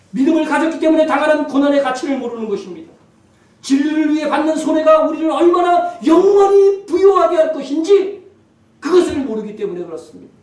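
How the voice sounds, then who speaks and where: A male pastor preaching a sermon with emphatic exhortation that swells into loud appeals, heard from a distance in a church sanctuary. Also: very high voice. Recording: echoey church hall from far off.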